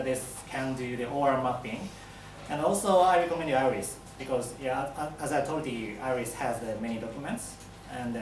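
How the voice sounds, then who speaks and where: A man with non-native English phrasing gives a live technical presentation, haltingly searching for words. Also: on the high side. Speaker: bootcamp graduate presenting a project. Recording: echoey room, distant mic, noisy.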